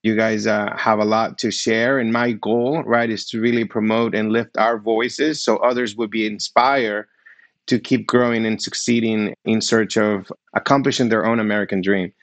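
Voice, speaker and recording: A man's voice: on the low side, steady tone, moderate pace, no room sound. A middle-aged man hosting an interview podcast in an upbeat, welcoming way with plenty of follow-up questions. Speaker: podcast host.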